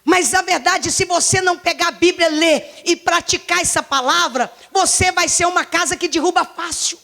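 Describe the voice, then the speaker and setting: Woman pastor, Brazilian accent, high voice, slightly hoarse, fervent sermon, rhetorical questions. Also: normal speed, sharp tone. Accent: Brazilian Portuguese. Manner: impassioned, repetitive, many rhetorical questions. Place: church service.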